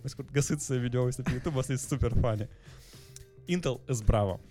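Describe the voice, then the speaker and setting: A man's voice: medium pitch, music in the background. A man co-hosting a casual tech podcast, talking animatedly with many fillers and restarts. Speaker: podcast co-host.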